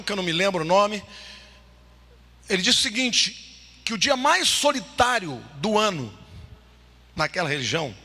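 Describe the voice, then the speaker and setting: A male preacher with a high, lively voice that leaps up in exclamations and drops low. His tone is bright and breathy, and it rings through a large reverberant hall. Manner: dramatic preaching, swinging from loud high exclamations to low hushed lines. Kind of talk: sermon.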